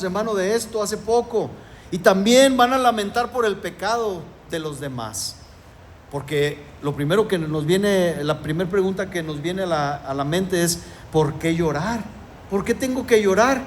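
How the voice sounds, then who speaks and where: A pastor delivers an emphatic sermon in a high-pitched male voice, turning often to his listeners as brothers. A faint hiss of noise runs under the recording. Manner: emphatic preaching, repeatedly addressing the congregation as brothers.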